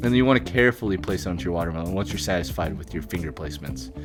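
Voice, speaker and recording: With music playing behind him, a man speaks in a lively intonation. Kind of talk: casual comedic voice-over narration of a craft tutorial. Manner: casual, joking, offhand.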